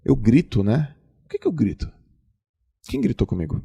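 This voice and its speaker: Gravelly, husky man, emphatic host. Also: mid-range voice, moderate pace. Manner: emphatic, animated storytelling. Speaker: podcast host. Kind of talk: casual conversation.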